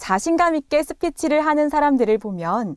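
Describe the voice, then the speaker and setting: Very wide pitch swings from a woman, recorded dry and close without any echo. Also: very clean recording, silent background. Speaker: voice coach. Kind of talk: lecture. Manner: clear, trained broadcast diction.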